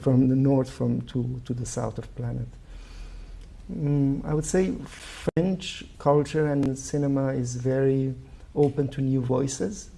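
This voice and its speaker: A man from Iran speaks with a Persian accent in a very dark, gravelly voice that has a husky edge. He pauses often and muses his way through answers as an interview guest. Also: medium pitch, rough recording. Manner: thoughtful, halting, frequent uh fillers. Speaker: filmmaker guest.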